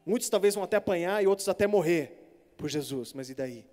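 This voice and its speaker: Animated high-voiced young man preaching. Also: quick pace. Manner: animated storytelling, acts out voices, swings from shouting to hushed. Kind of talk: sermon to a youth congregation. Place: church hall. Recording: reverberant church hall with faint music.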